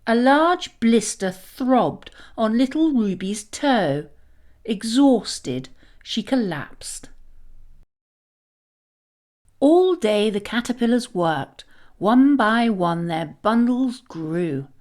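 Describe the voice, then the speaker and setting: A woman narrating a scripted children's story in a dramatic, expressive manner. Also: fairly high pitch, slow pace.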